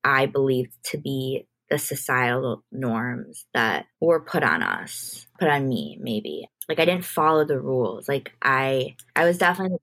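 Low-pitched woman, casual talker. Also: animated, unhurried, few pauses, fairly bright tone. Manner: informal, peppered with "like". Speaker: podcast guest, music manager. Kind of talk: casual conversational storytelling.

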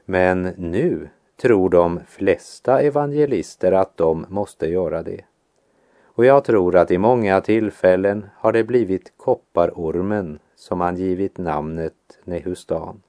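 A man reads a devotional teaching in an earnest, measured way. His voice sits low and mellow. The recording is close and dry, with no room sound. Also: no room sound. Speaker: devotional speaker.

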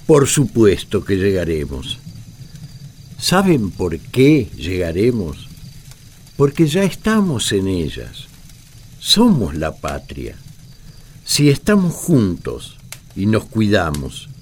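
Deep, slow, fervent desert prophet. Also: male voice, wildly swooping pitch, slight background noise, exaggerated voice. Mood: rousing. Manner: solemn, declamatory oratory. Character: fervent male desert prophet consoling his weary people. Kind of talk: Spanish-language radio drama acting. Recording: music under the voice.

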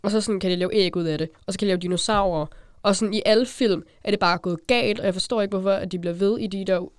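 A teenage woman with a Zealand accent chats and tells stories with an easy, animated flow. Her voice sits in a middle register. The sound is dry and close, with no room around it. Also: medium pitch, dry recording. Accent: Zealand Danish. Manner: chatty, animated storyteller. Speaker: podcast co-host. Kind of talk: casual podcast chat.

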